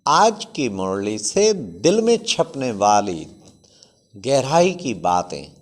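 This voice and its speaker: A man's voice: on the low side, very animated, slow pace. A man giving a conversational devotional talk with rhetorical asides to his listeners. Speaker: spiritual speaker. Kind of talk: devotional talk on the day's teaching.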